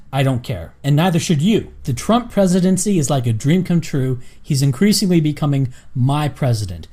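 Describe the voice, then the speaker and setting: Male commentator, nasal voice with a dark, mellow tone, blunt and combative scripted delivery. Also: fairly high pitch. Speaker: political commentator.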